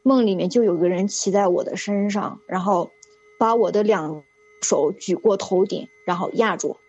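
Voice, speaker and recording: A woman's voice: medium pitch, normal speed, darkish tone, slightly rough, no echo, highs cut off. A woman, a community health worker, earnestly telling a vivid, repetitive personal story. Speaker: guest telling a ghost story. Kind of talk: casual spoken storytelling.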